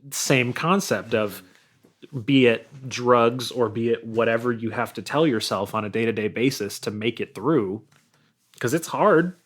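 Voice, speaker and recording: A man talks as a guest on a podcast in an informal, conversational way. His pitch sits in an ordinary middle range, and he discusses music casually. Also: measured pace.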